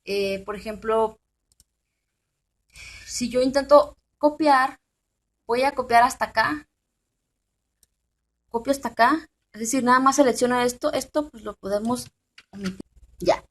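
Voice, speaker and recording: A woman's voice: a little high, a little slow, long pauses. Chatty woman walking through a tutorial. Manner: informal, thinks aloud with many fillers and restarts; addresses the viewer directly with questions. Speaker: programming tutorial host. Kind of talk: screen-recorded software tutorial.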